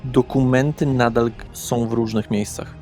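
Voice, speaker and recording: A man's voice: medium pitch, steady tone, normal speed, warm tone, soft background music. A man acting as game master, narrating and refereeing a tabletop role-playing game.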